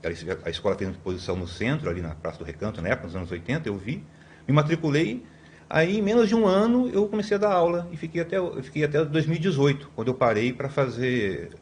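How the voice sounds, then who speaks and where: A man's voice: fairly high pitch, lively intonation, quick pace, darkish tone, a little hiss or hum. A man in his fifties from Brazil, a podcast guest telling long stories in a rambling way, with many tag questions and restarts. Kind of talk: conversational storytelling.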